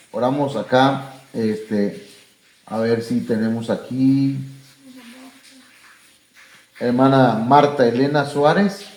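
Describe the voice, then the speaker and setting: A man's voice: mid-range voice, darkish tone, roomy sound. A man with a Mexican Spanish accent, preaching and leading prayer in a plain, conversational way with many fillers. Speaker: pastor. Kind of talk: sermon and closing prayer to a church and online viewers. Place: church sanctuary.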